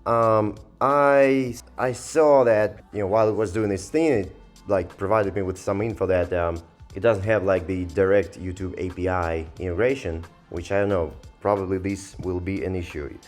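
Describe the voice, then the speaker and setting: A man giving a casual, rambling software review, thinking aloud in a hesitant and sardonic way as he goes. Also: low voice, steady tone, moderate pace, soft background music. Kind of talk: casual screen-recorded review commentary.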